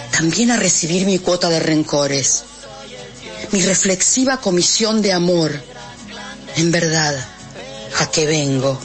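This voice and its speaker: Woman reading poetry, low and unhurried, with soft music behind her. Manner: slow, measured, reflective. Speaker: poetry reader on radio. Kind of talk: poetry recitation.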